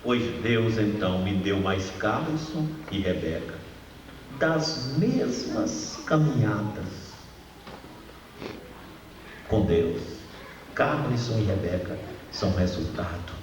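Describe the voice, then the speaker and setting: A man's voice: on the low side, animated, slow pace, long pauses. A man from Bahia with a Bahian accent, preaching an emotional sermon and telling stories that rise into passionate appeals. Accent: Bahian Portuguese. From Bahia, Brazil. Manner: storytelling, voice rises into passionate appeals. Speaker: guest preacher. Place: large cultural center hall. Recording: echoey hall, distant mic, faint hiss.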